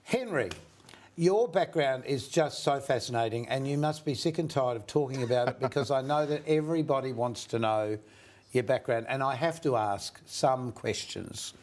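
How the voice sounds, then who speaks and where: An older man with a mid-pitched voice hosts an interview. He keeps it conversational, bantering and joking dryly with his guest. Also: moderate pace, a little mellow. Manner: jokey, bantering, dry humour. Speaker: interview host.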